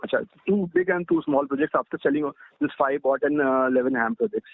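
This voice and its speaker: A man with an Indian accent asking questions as an investor on an earnings call, polite and halting, over a phone line. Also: fairly high pitch, wildly swooping pitch, vocal fry, slight background noise.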